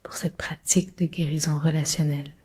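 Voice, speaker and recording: A woman leading a guided relaxation meditation in a breathy, husky, often near-whispered voice, giving slow, soothing, measured instructions. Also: deep voice, flat delivery, mellow. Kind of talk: guided Yoga Nidra meditation.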